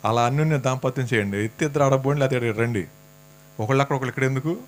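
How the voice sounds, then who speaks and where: A man's voice: medium pitch, rapid-fire. Teasing man preaching a sermon. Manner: conversational, teasing, asks the congregation questions. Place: church hall.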